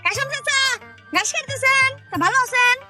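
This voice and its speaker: A woman's voice: very high-pitched, fairly quick, pushed and bright, soft background music, heavily acted. A woman voicing a cheeky young man who courts a girl in a comedy skit. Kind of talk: comic skit dialogue.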